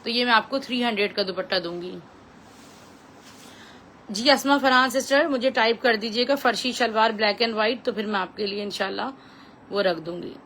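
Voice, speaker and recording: A woman with a Pakistani accent giving a chatty, repetitive live sales pitch as a clothing seller, mixing in English phrases. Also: normal speed, fairly bright tone, a little hiss or hum, rough recording.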